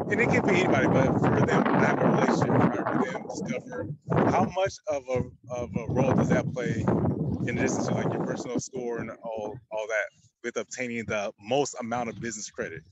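Halting man asking the guest a question. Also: mid-range voice, dull audio, heavy background noise. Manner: halting, many fillers and restarts. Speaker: audience member asking a question. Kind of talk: casual question from the audience.

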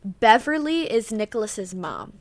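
A woman's voice: medium pitch, sing-song, measured pace. A young woman co-hosting a true-crime podcast, telling a case in casual chat full of "like" and "um". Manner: chatty, full of "like" and "um", reads notes aloud. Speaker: podcast co-host.

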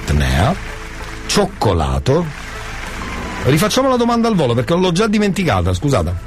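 A man's voice: fairly high pitch, huge pitch swings, moderate pace. A man hosting a radio quiz like a showy game show host, playful and jokey, often repeating himself for effect. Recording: music bed behind voice. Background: music.

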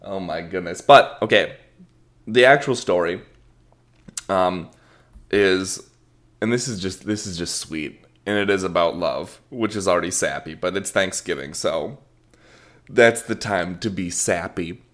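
A man's voice: deep voice, a little slow, fairly bright tone. A young adult man hosting a podcast, telling a rambling, self-deprecating story and swearing casually. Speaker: podcast host.

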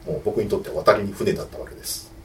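A man speaking as a creator guest on a panel, lively and full of fillers. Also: on the low side. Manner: very fast, lively, with many fillers. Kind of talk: convention panel talk. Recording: distant mic, faint background noise.

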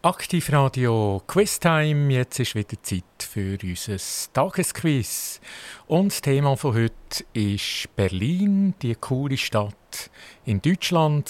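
A man hosts a daily radio quiz, taking his time and laying out each question and choice with unhurried care. His voice is close and dry on a studio mic, with no room around it. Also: mid-range voice, darkish tone, no echo. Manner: deliberate, repeats the question and options.

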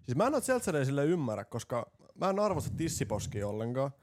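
Male co-host; crude, swearing banter; ordinary middle pitch. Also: very animated, a little mellow. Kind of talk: casual chat. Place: small podcast studio.

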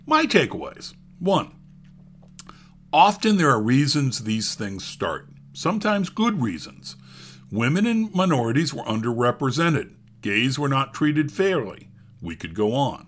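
Wry, lively male commentary host. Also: mid-range voice, unhurried. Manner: reads quotes aloud, wry asides. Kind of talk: scripted opinion commentary.

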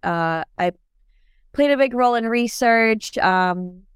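A woman's voice: fairly high pitch, lively intonation, slow pace, clean tone, no room sound, studio quality. A young woman, born in Turkey and raised in New York, chatting as a dental student guest on a podcast, full of "like" and "um". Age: young adult. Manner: chatty, lots of "like" and "um" fillers. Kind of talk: casual podcast interview.

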